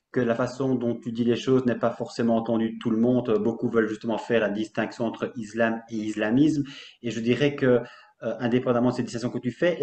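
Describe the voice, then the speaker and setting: A man hosting an interview, asking questions in a measured, thoughtful way and reading poetry aloud. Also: medium pitch, mellow, reverberant. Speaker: interviewer and host.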